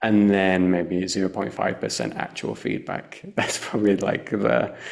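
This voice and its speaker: Over noticeable background noise, a man with a British accent speaks in a very deep, low voice at a fairly slow pace, with lively intonation. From United Kingdom. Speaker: UX researcher. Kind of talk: interview answer.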